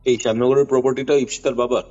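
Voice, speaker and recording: A man's voice: mid-range voice, little pitch movement, rapid-fire, a little mellow. A man hosting a call, casually questioning and prompting the storyteller. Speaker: host taking a caller's story. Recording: dull lo-fi call recording over music. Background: music.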